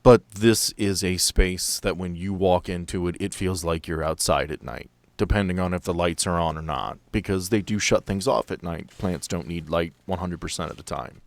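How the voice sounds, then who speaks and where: A man's voice: low-pitched, moderate pace, vocal fry, hardly any pauses, dry recording. A man improvising casual, playful narration as the game master of a tabletop roleplaying podcast. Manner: playful, conversational.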